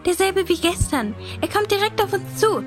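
A woman's voice: extremely high pitch, big pitch swings, normal speed. A woman playing a frightened little medieval girl in a German radio play. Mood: alarmed. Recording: music behind the voice.

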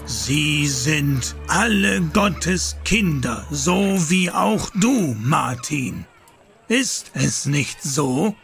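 Radio drama priest: firm and protective, very unhurried, higher male voice, gently admonishing. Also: expressive, vocal fry, faint music behind, heavily acted. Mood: calm, admonishing. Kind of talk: German radio play dialogue.

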